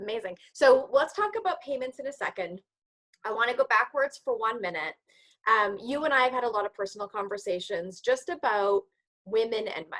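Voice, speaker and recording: This is an ordinary speaking voice, a woman's, with a Canadian accent and a fairly high pitch. She moves at a fairly quick pace with lively intonation. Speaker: business show host. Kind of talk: interview.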